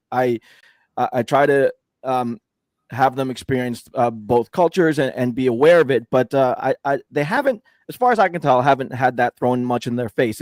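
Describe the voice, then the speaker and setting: A man's voice: fairly high pitch, no room sound. A man hosting a podcast interview over a video call, talking hesitantly and restarting often. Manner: hesitant, many fillers and restarts. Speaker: podcast host. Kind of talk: casual interview chat.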